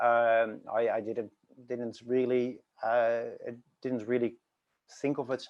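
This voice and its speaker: A man's medium-pitched voice with a Dutch accent, at a very slow pace. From Netherlands. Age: 50s. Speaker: artist. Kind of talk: panel discussion. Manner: halting, many fillers and repeats.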